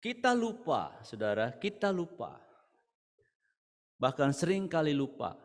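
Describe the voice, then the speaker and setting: A man preaching a church sermon with an Indonesian accent, piling up rhetorical questions and swinging from loud to hushed. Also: a little high, big pitch swings, unhurried. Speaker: pastor. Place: church hall. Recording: church service with hall reverb.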